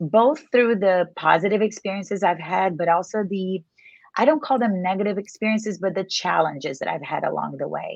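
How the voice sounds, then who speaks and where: A woman with a Portuguese accent, medium pitch and lively intonation at a fairly quick pace. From Brazil. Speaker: author and journalism teacher. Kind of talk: interview conversation. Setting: video call.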